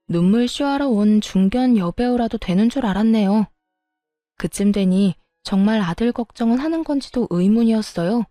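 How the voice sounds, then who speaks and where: A woman's voice: medium pitch, mellow, dry recording, clean studio sound. A woman narrating a family story in a wry, gossipy way, as scripted narration.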